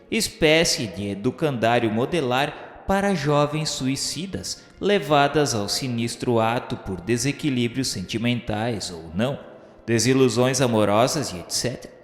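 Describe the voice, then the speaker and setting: A man reads formal literary narration for a radio novel in a solemn, measured, declamatory manner. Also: mid-range voice. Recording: echoey hall reverb, music behind. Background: music.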